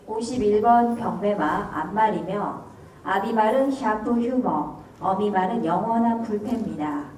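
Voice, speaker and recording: A woman's voice: mid-range voice, measured pace, a little mellow, a little hiss or hum. A woman announcer formally reading out scripted lot details at an auction. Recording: echoey venue, distant mic, crowd behind.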